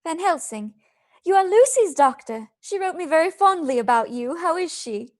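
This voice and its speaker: An actress playing a gentle, loyal and composed young wife in a theatrical radio play. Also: female voice, very high-pitched, animated, normal speed. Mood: concerned. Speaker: actor in a live radio play. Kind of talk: theatrical radio drama acting.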